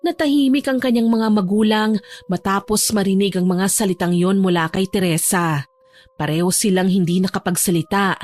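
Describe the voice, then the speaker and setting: A woman narrating a drama story as host in a calm, measured way. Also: medium pitch. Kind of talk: scripted narration. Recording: faint music behind.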